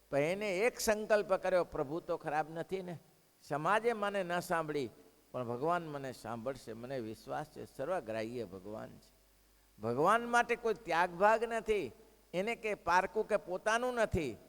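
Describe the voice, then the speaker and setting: With a somewhat high voice echoing in a long reverb through a big hall, this man preaches devotional stories. His delivery is lively, climbing to loud exclamations before dropping into hushed quotes and asides.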